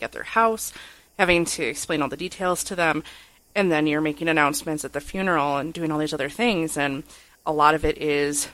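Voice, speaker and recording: A woman with a slightly low voice talks as a podcast co-host. She is casual, sincere and self-deprecating as she shares personal experience, recorded close and dry. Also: fairly bright tone, dry recording, low-quality recording. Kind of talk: casual, candid personal storytelling.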